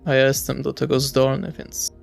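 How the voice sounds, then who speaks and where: A man playing a brooding, fatalistic male vampire in a role-playing audio drama, with a resigned, deliberate way of talking. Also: mid-range voice, completely flat delivery, vocal fry, soft background music. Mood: grim, resolute. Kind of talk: in-character role-play dialogue.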